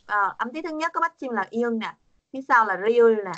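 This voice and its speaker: Patient teacher, woman, high and bright, video-call lesson. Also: lively intonation, a little fast, muffled recording. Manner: patient, coaxing, repeats words for students. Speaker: Korean language teacher. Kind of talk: online pronunciation lesson.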